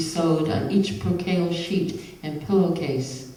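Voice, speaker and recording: Through noticeable background noise, a woman with a fairly low pitch speaks very slowly. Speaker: poet. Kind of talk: poetry reading. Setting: live reading venue.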